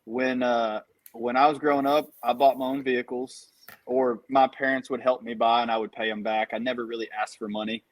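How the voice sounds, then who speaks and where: A man's voice: medium pitch, level tone, a little fast. A man, chatting as a podcast guest and telling stories in a laid-back way. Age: 30s. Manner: laid-back storytelling, frequent laughs. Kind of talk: casual chat.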